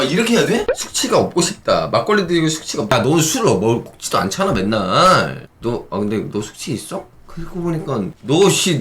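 A man's voice: medium pitch, slight background noise. A man who coaches swimming, chatting casually on a live stream, reading viewer comments aloud, counting out kicks and swearing now and then.

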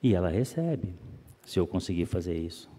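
A man giving a calm, explanatory spiritist lecture, often asking rhetorical questions. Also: low voice, moderate pace, husky. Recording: long reverb of a hall.

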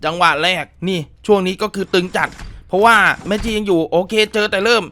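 A man hosts casual horror-game commentary in a high, bright, forceful voice, talking fast. Polite with his viewers, he frequently exclaims and laughs as he plays.

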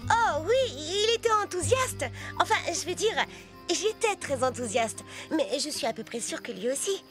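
Very high, eager cartoon girl. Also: expressive, normal speed, fairly bright tone, soft background music. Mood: enthusiastic, unsure. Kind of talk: French children's cartoon dubbing.

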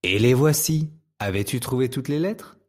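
A man with a French accent teaching young children to read, saying each sound slowly and patiently. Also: mid-range voice, expressive, darkish tone. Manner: patient, speaks words slowly and distinctly. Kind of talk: slow, clear reading lesson for young children.

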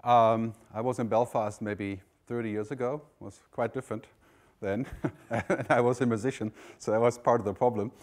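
A man's voice: mid-range voice, steady tone, moderate pace. A man from Germany giving a conference keynote in a large hall, talking conversationally with frequent "you know" and "right?" asides. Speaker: keynote speaker.

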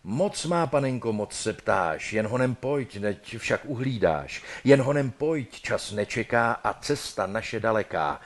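A man voicing a dead male lover who loudly and urgently pushes his bride to hurry, partly in coarse slang. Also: fairly low pitch, animated, hardly any pauses. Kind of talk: comic dramatic reading.

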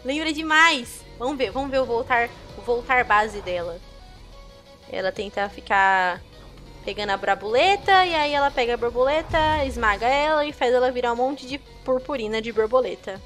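A young Brazilian woman chatting casually with viewers while streaming a game, with excitable outbursts. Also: fairly high pitch, normal speed, soft background music. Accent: Brazilian Portuguese. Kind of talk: casual gameplay commentary.

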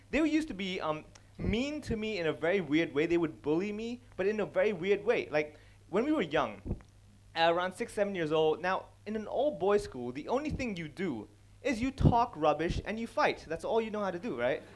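A young man from Hong Kong doing stand-up comedy on a large stage, speaking into a headset mic and acting out characters with quick voice changes. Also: sits high. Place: large dark stage before a live audience.

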